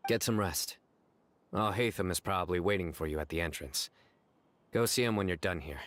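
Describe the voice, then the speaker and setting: An actor playing a stern, composed young male law enforcer in a video game, measured and matter-of-fact. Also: low-pitched, a bit bright, no room sound. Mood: businesslike.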